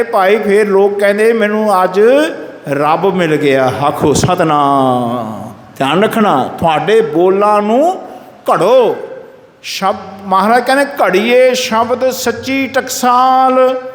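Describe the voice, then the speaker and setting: A man with a high voice preaches a Sikh sermon in a village gurdwara hall. He intones scripture lines slowly and keeps calling on the congregation to respond. The hall is echoey, with a long reverb trailing each phrase. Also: a bit bright. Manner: exhorts listeners to answer "Satnam" aloud.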